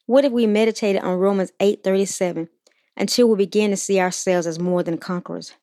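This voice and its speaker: A woman's voice: mid-range voice, mellow, dry recording, studio quality. Earnest woman giving faith-based encouragement. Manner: encouraging, earnest, reads scripture aloud. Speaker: podcast host. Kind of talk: Christian motivational podcast talk.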